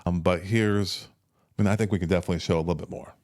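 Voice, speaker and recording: A man in his fifties talking casually as a health coach, relaxed and repeating words as he thinks. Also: sits low, very fast. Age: 50s. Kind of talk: casual conversational health talk.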